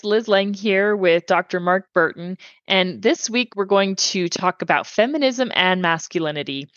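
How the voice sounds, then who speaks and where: A woman's voice: mid-range voice, fairly bright tone, no echo, lo-fi sound. A woman hosting a podcast, chatting casually and conversationally with frequent fillers. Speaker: podcast host. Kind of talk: casual chat.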